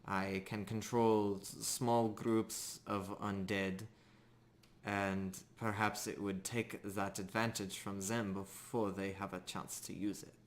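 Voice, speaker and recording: A man voicing an earnest female undead death knight in a tabletop game, speaking in a halting, solemn, formal way. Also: fairly low pitch, little pitch movement. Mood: earnest, grave.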